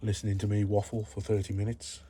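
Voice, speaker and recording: A man's voice: lowish voice, completely flat delivery, quick pace, mellow, slight background noise. A man with a Black Country accent giving a casual, rambling video tour as a hobbyist vlogger, chatty and matey. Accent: Black Country English. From Black Country, England. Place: warm grow tent in a shed.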